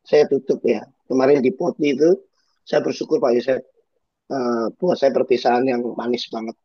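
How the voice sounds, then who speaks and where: A man preaching as a pastor, in a lively, chatty way full of rhetorical asides. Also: mid-range voice, normal speed, husky, no echo. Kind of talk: sermon. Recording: dull muffled sound.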